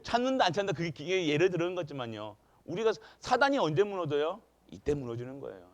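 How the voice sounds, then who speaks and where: A man preaching an early-morning church sermon, throwing rhetorical questions to the congregation and swinging between loud emphasis and hushed asides. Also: on the high side, big pitch swings, fast. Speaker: pastor. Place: church sanctuary.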